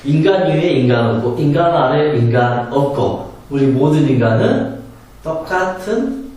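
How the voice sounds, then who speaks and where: A man giving a spoken lecture on handling anger, emphatic and animated, sometimes acting out angry quotes and laughing. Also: medium pitch. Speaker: meditation and self-help lecturer. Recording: very echoey room from a distance, faint noise.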